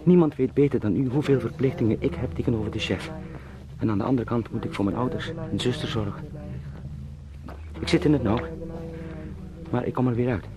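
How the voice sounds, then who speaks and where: An actor in a radio drama playing an anxious travelling salesman turned beetle, pleading and eager to please in halting, formally polite speech. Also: mid-range voice, natural voice. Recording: clearly noisy radio play sound.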